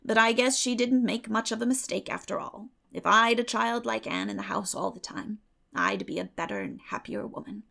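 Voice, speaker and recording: A woman acts out a rich old spinster from a storybook. She is blunt and brisk, with a creaky edge to her matter-of-fact speech. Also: fairly high pitch, a bit bright. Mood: musing, gruff.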